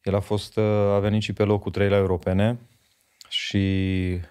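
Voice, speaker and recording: Reflective man, somewhat low voice. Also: little pitch movement, mellow, clear, resonant tone. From Romania, Miercurea Ciuc. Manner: thoughtful, tags sentences with "you know?". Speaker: guest, former speed skater. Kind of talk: reflective podcast conversation.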